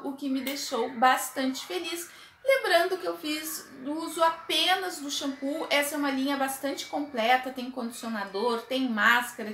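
A woman, chatting animatedly to camera as a beauty vlogger reviewing a product. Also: high voice. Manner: chatty and animated, gestures a lot while talking. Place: small indoor room with makeup table. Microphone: camera at desk distance. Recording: echoey small room.

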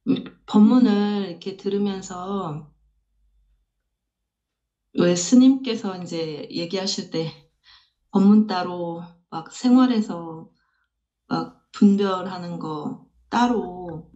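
A woman's voice: mid-range voice, dark tone, dull audio. A woman student confessing candidly in a question session, hesitant with many fillers and sheepish laughs, over a remote call line.

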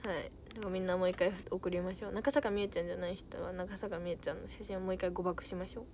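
A woman's voice: lowish voice, steady tone, fast, a little mellow, slight background noise. A young woman idol chatting casually on a livestream, reading out viewer comments with bubbly giggles.

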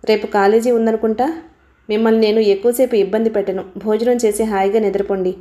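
A woman reads a confident, protective man, quietly commanding and assured. The voice stays mellow, in an audiobook-novel scene. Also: medium pitch, fairly even intonation, fast talker, close to an everyday voice.

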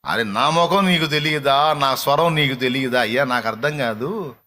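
A man preaching a sermon as a pastor, talking in a conversational way full of rhetorical questions, dropping into soft low asides and rising into pleading exclamations. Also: moderate pace, a little hiss or hum.

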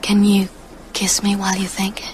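Woman acting a soft-spoken, forthright young girlfriend. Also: mid-range voice, monotone, normal speed, a little hiss or hum, lightly acted. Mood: tender. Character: young, forthright, curious small-town girlfriend. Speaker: radio drama actor. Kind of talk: naturalistic radio drama dialogue.

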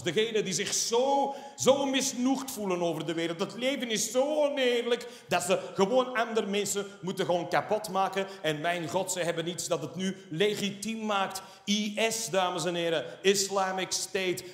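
Ranting Flemish comedian in a hall. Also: male voice, sits high. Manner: ranting, animated, sarcastic asides with tag "hè". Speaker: stand-up comedian. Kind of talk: stand-up comedy routine. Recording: roomy hall reverb from a live stage.

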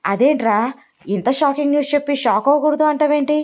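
A woman voicing an excitable middle-aged mother and aunt who is quick to shout, in a home drama story. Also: sits high, pitched above the performer's own voice, lightly acted. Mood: alarmed.

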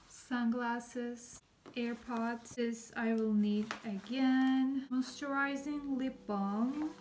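Young woman, Turkish first language, calm unhurried study vlog voice-over, slightly high voice. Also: background noise. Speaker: vlogger.

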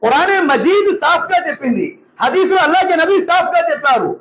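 High-voiced imam preaching in an echoey room. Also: male voice, fast talker. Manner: animated, mimics congregants in asides. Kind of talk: sermon.

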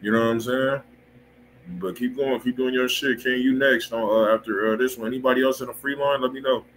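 A man's voice: medium pitch, little pitch movement, brisk, fairly bright tone, low-quality recording. A man hosting a music review stream, talking in casual, slang-heavy, blunt and profane chat. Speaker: music review show host. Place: indoor room, livestream. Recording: faint background noise.

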